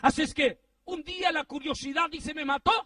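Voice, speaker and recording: A man preaching, telling a story in a sermon, animated and rising to shouts at the peaks. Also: a little fast, distant mic. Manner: animated, swings from low asides to shouted climaxes.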